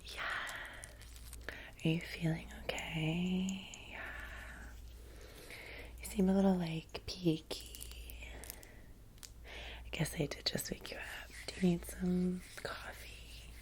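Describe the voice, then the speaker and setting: A woman acts out a vampire's eager young female assistant for an ASMR roleplay. She whispers in a lowish, breathy voice with an American Valley girl accent. Her delivery is slow and fawning, full of chatty, hesitant rambling. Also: flat delivery, a little mellow. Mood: soft, fawning. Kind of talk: soft-spoken ASMR roleplay.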